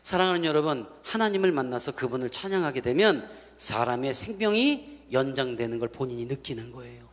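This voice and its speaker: A male pastor telling a story in a sermon. He talks in an animated way and acts out the dialogue in different voices. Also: medium pitch, brisk, in a large hall.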